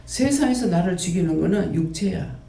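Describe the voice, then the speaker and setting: In an echoing room with the mic far away, a prayer house leader delivers a sermon, berating listeners with one rhetorical question after another. He has a high, gravelly, dark-toned voice with lively intonation and a moderate pace.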